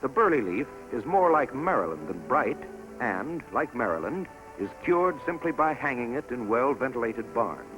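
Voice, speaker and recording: A man giving scripted narration for a promotional documentary film in a measured, stately announcer delivery. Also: mid-range voice, very animated, rough recording. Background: orchestral music score.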